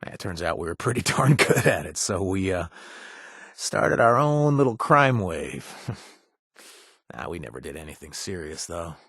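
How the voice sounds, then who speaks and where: A remorseful ex-gang bartender. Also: male voice, sits low, sing-song, a little slow, husky, no room sound, studio quality, full character voice. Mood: confessional. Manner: casual, wry, trails off with uh and quiet confessions. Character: male ex-gang bartender, remorseful former addict. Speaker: companion character. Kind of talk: video game voice acting.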